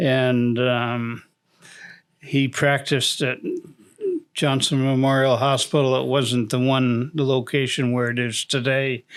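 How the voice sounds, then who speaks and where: With an American accent, a man speaks at a fairly slow pace in a flat monotone on a very clean recording with a silent background. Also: medium pitch for a man. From US Northeast, western Massachusetts. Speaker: retired store owner. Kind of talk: oral history interview. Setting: podcast recorded at senior center. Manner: halting, many fillers.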